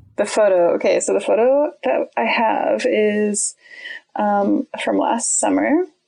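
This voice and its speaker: A woman with a Canadian accent, very slow pace and very even loudness. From Saskatchewan, Canada. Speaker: stand-up comedian. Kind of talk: casual chat.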